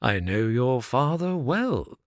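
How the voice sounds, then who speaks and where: A man's voice: medium pitch, big pitch swings, slow pace, no echo, studio quality, pitched above the performer's own voice. A man doing a sly courteous fox. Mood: wheedling. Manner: courteous, wheedling. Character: sly smooth-talking male fox.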